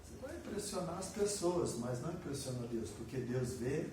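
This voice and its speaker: Brazilian preacher in an echoey hall. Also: male voice, mid-range voice, animated, moderate pace. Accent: Brazilian Portuguese. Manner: conversational, acts out prayers and asks the audience questions. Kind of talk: sermon. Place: church hall. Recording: echoey room from far off, faint noise.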